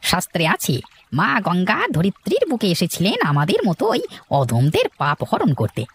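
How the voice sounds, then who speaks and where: A man voicing a jovial, pious old gentleman in a cartoon story, husky and rambling. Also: high-pitched, huge pitch swings, normal speed, heavily acted. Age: older. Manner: rambling, chuckling, exclamatory.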